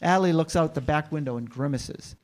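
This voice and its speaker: Slightly high-voiced man narrating a screenplay. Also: a little fast. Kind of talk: scripted screenplay narration, present tense.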